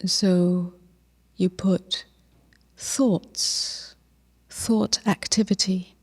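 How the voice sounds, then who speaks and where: Her pitch is medium and her tone steady as this woman leads a guided meditation as a teacher. She's gentle and unhurried, with long pauses and soft, breathy endings to her phrases.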